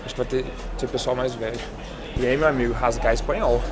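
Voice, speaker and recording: Medium in pitch and steady in tone, this man talks fast. He's a Brazilian native Portuguese speaker with a Brazilian accent, casually hosting a travel vlog outdoors in the city, amid the noise of a busy street crowd.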